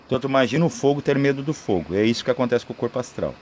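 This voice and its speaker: A man's voice: mid-range voice, expressive, very fast, darkish tone. Brazilian man teaching informally over background noise. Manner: rambling explanatory delivery with checking tags. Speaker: spiritual video creator. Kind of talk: informal spoken esoteric teaching.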